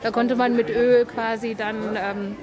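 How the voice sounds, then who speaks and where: A woman's voice: on the high side, level tone, a little slow. Hesitant woman amid a festival crowd. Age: 30s. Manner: hesitant, searching for words. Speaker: interviewee. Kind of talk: casual interview. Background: crowd chatter.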